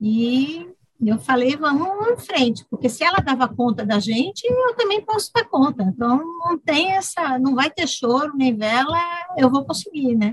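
Speaking fairly slowly, a woman uses a high pitch with very wide pitch swings. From Brazil, São Paulo. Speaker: physician and healthcare manager. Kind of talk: interview.

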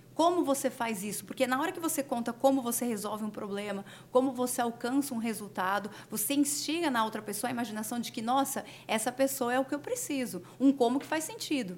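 Talking at a fairly quick pace, a woman has a high-pitched voice with ordinary pitch variation. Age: 30s. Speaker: career and digital marketing specialist. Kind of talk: podcast interview.

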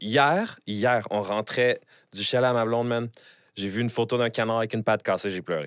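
A man with a plain, everyday voice talks at a medium pitch and moderate pace with ordinary pitch variation, on a very clean recording with a silent background. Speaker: podcast host. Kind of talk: casual interview. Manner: casual, mixing English slang.

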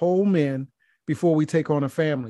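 A man with an American accent speaks at a fairly high pitch with ordinary pitch variation. The sound is dry and close with no echo, over a quiet background. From US Midwest, Gary, Indiana. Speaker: author, retired marine. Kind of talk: interview. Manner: halting, many fillers.

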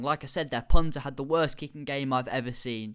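A man with a British accent speaks at a fairly high pitch in a very clean recording with a silent background. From UK. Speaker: podcast host. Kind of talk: casual sports commentary monologue. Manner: animated, enthusiastic.

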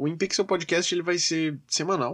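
A man speaks at a fairly slow pace with ordinary pitch variation. He has a plain, everyday voice. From southern Brazil, Caxias do Sul, Rio Grande do Sul. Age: 20s. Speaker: podcast host, university student. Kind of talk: casual monologue. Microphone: simple cheap microphone.

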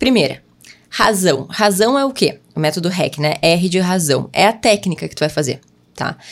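Speaking at a fairly slow pace, a woman uses an animated tone. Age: 20s. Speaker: digital marketing entrepreneur. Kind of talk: interview.

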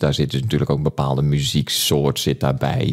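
A man talks at a fairly quick pace with lively intonation. There is noticeable background noise around him. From Brabant. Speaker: podcast co-host. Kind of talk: casual chat.

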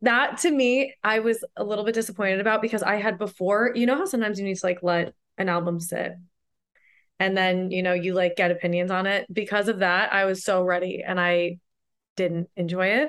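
A woman speaks in a normal speaking voice at a medium pitch and a fairly quick pace, with ordinary pitch variation and very even loudness. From Connecticut. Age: 20s. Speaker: meme account creator. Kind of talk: casual chat. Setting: video call.

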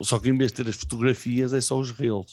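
A European Portuguese accent comes through at a fairly quick pace on a very clean recording with a silent background. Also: man. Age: 40s. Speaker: comedian. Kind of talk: casual chat.

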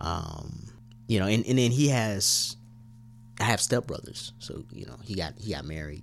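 A man with lively intonation, vocal fry, big swings in loudness and audible room echo. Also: moderate pace. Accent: American. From Atlanta, Georgia, US South. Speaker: actor and father. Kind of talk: interview. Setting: sparring gym.

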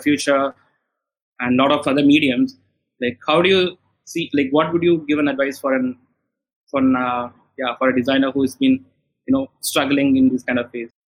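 Monotone, flat intonation at a moderate pace, broken by long, frequent pauses. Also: man. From India. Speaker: self-taught designer. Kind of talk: call-in question. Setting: online video call. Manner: hesitant, many fillers.

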